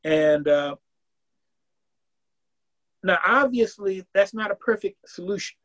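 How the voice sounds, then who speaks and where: A man's voice: high voice, expressive, takes it slowly, a bit bright. A man around sixty, from the American South, speaking earnestly as an academic guest in a casual interview and restarting phrases as he thinks aloud. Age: about 60.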